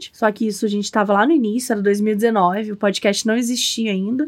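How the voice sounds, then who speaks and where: Here a woman talks fairly quickly. Her intonation holds fairly even. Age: 30s. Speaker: podcaster. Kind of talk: casual chat.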